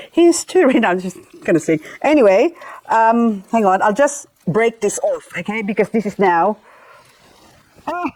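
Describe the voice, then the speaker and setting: Over a rough recording, a mid-range female voice belongs to a middle-aged gardening vlogger raised in the Philippines. While cleaning up her succulents and repotting them, she keeps the chat casual and playful, with plenty of self-mocking remarks.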